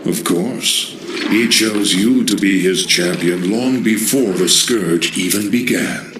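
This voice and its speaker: An actor playing a cold, scheming undead lich sorcerer who talks in a measured way, in a game cinematic. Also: male voice, deep voice, noisy background. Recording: echoey, reverberant voice. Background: orchestral music.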